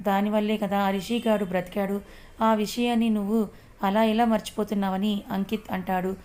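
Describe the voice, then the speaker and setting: Young male sidekick, goading, quick flat talk, read by a woman. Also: medium pitch, natural voice. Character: young man, gossiping sidekick friend.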